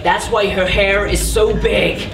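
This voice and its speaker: Woman as cheeky servant pal, medium pitch, drawled comic asides, far-off echoey theatre. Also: fairly even intonation, slow, vocal fry. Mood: gossipy, mocking. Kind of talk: amateur stage pantomime.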